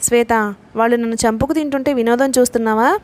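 A woman's voice: on the high side, fairly even intonation, fast, darkish tone, close to an everyday voice. A woman reading a shy flustered young woman. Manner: flustered, pleading.

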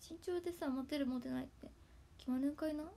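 A young woman idol with a Hakata dialect livestreams from home on a tablet's built-in mic, chatting casually and thanking viewers, often dropping into soft whispery asides. Her voice is high, quick and gravelly.

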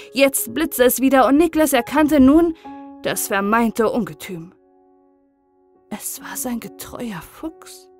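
A woman narrating a fairy-tale audiobook in a calm, measured bedtime reading. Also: fairly high pitch. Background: soft background music.

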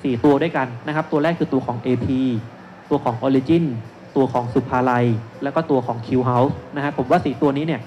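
This securities analyst in his thirties is on a panel at an investment seminar, held on an indoor shopping mall expo stage. Speaking into a handheld microphone with a mid-range, slightly mellow voice, fairly even intonation and a slightly quick pace, he walks through points step by step and uses many polite particles. The highs are cut off, and the noisy live event sound carries through.

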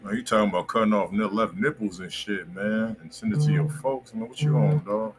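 A man's voice: on the low side, fairly quick. An American man, around his thirties, hosts a music review live stream with casual, slangy banter. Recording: noisy live-stream room audio.

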